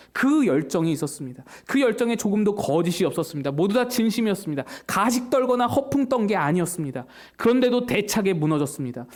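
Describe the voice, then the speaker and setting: A woman's voice: medium pitch, a little mellow. A woman pastor preaching a Sunday sermon, telling a story with animation and asking the congregation questions.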